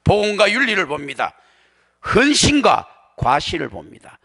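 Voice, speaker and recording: A man preaching a colloquial, dramatic sermon, dropping often into hushed whispers. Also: high-pitched, wildly swooping pitch, normal speed, vocal fry. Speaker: pastor.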